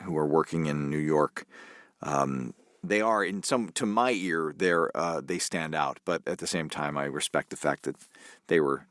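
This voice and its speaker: A man's voice: very deep voice, a little slow, fairly bright tone, no room sound, clean studio sound. A man from Canada with a North American accent, a voice actor chatting casually and hesitantly in an interview from a soundproof booth. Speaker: voice actor and audiobook narrator. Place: small soundproof recording booth.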